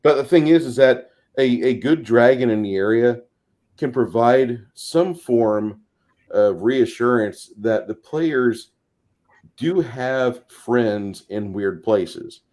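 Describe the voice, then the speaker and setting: A man's voice: medium pitch, takes it slowly, a little mellow. A man on a tabletop gaming talk show, chatting casually in a blunt, profane, emphatic way and acting out imagined quotes. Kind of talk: casual discussion of game mastering.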